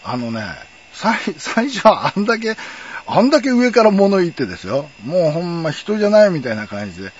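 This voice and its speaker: A man's voice: high-pitched, fairly quick, husky, highs cut off. A middle-aged man telling a personal story in a wry, chatty way. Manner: wry, chatty, lively intonation. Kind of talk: casual storytelling monologue.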